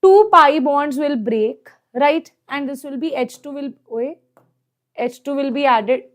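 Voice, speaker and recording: South asian lady teacher, pretty high voice, walks thru exam questions, keeps asking if u get it. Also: a little slow. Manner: checks understanding often with short questions. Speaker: chemistry teacher. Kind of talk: exam problem lesson, explaining step by step.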